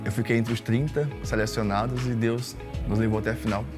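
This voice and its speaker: Brief: male guest, mid-pitched voice, easygoing testimony, faint music underneath. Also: fairly quick. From Maranhão, Brazil. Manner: relaxed storytelling, uses "galera" and "cara". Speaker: gospel singer guest. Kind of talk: casual testimony interview.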